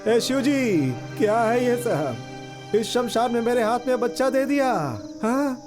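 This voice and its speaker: An actor dubbing an older male cremation-ground keeper, gruff at times and tearfully pleading at others. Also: extremely high pitch, a little slow, music in the background. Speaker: dubbed film character. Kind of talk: Hindi film dubbing. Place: dubbing studio.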